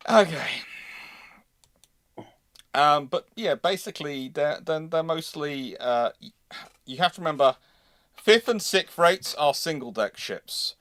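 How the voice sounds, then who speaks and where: A man hosting a live history question-and-answer session, talking haltingly and often repeating and rephrasing his words. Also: fairly high pitch, animated, fairly bright tone, no echo, studio quality. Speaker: host of a naval history livestream.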